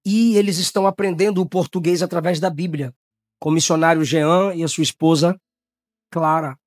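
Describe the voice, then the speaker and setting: A man from Brazil preaching a Pentecostal sermon, shouting in high bursts and then dropping to low, quiet tones. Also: steady tone, moderate pace, dry recording, studio quality.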